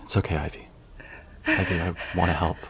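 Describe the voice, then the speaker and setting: A man's voice: deep voice, steady tone, brisk, a bit bright, husky, heavily acted. A man playing a kind, anxious young man who stammers earnestly. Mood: concerned.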